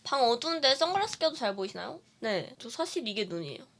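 Bright, lively woman streamer. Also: fairly high pitch, fast talker, slight background noise. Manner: playful, chatty, answering viewer comments. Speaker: live streamer. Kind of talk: casual live-stream chat. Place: dim room. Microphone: webcam streaming setup.

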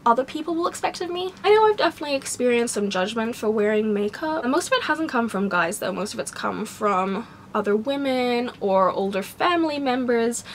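A young woman vlogger, hoarse from a cold and losing her voice, talking candidly and wryly to the camera in a small room. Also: a little high, a little fast, hardly any pauses, a little hiss or hum. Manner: rambling, candid, wry and animated. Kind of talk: casual talking-to-camera vlog. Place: small home bedroom, indoors.

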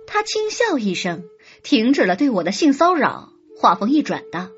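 A woman's voice: on the high side, huge pitch swings, normal speed. A woman narrating a romance audiobook in first person, telling it expressively. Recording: slightly dull audio with soft music.

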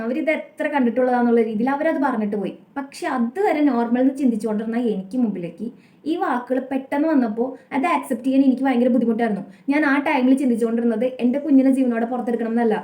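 A woman's voice: fairly high pitch, dark tone. A young woman with a Malayali accent telling a personal story to camera in an earnest, confessional way. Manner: earnest, rapid confessional telling with frequent tag "kettō". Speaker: vlogger. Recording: echoey room.

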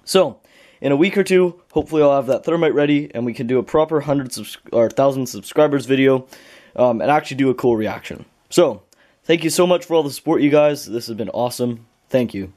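Young male vlogger, Canadian accent, mid-pitched voice, informal rambling delivery, recorded in a bedroom. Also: a little fast, darkish tone. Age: young adult. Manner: informal, rambling, self-correcting. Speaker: host of a home chemistry channel. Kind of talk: casual vlog, unscripted lab tour. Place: small home bedroom with a makeshift lab.

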